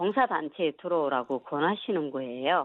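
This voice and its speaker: A woman with very wide pitch swings. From North Korea (Chongjin). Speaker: North Korean defector. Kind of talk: radio interview. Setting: phone call.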